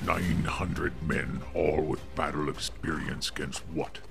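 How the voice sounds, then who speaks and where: A man acts out a conscientious male sergeant in a role-play drama. The voice is very low, earnest and clipped, troubled yet deferential, with music behind it. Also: little pitch movement, slow, creaky, a bit bright, heavily acted. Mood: indignant.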